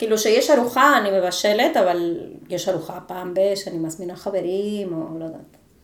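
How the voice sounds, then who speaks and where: A woman talks at a moderate pace and medium pitch, with ordinary pitch variation and big swings in loudness. Audible room echo and noticeable background noise fill the recording. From Peru. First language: Spanish (speaking Hebrew). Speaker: content project manager. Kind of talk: casual interview. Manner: halting.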